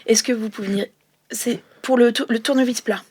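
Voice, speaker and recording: A woman playing an improvised role-playing game, speaking casually and a little haltingly, slipping in and out of character. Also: fairly high pitch, steady tone, a little mellow, a little hiss or hum.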